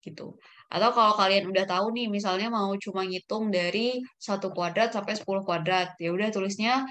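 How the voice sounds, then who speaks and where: A woman teaches a math lesson online in a slightly low voice. She talks casually, thinks aloud and corrects herself as she writes formulas. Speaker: olympiad math tutor.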